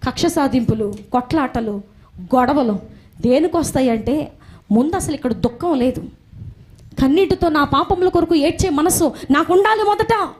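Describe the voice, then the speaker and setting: A woman preaching a sermon emphatically, repeating phrases for stress. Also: very high voice.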